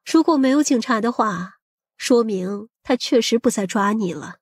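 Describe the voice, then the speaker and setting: A woman playing a shrewd, protective and excitable middle-aged mother in an audiobook drama, speaking emphatically. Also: fairly high pitch, normal speed, husky, no echo, studio quality. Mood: calculating, firm.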